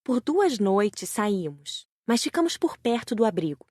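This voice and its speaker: A woman's voice: fairly high pitch, very animated, measured pace, a little mellow, no echo, studio quality. A woman with a Brazilian accent reading scripted audiobook narration.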